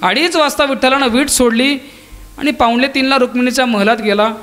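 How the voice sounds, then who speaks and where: A man's voice: very high voice, a bit bright, soft background music. A man preaching a devotional kirtan, telling a saint's story with acted dialogue and sung verses. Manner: dramatic storytelling, voicing characters' dialogue; breaks into slow sung abhang verses. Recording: live kirtan with tabla and instruments behind.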